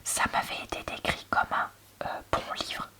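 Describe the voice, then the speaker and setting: A woman whispering softly in a library whisper, chatting candidly in a conversational ASMR book-review style. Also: normal speed. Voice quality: soft, breathy unvoiced library whisper. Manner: hushed, conversational, candid opinions.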